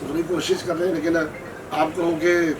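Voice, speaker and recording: A man with a somewhat high voice speaks off the cuff as a filmmaker at a press event. He is picked up from a distance, with plain background noise around him. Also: flat delivery, moderate pace. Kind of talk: unscripted press conference answers. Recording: distant mic, noisy room.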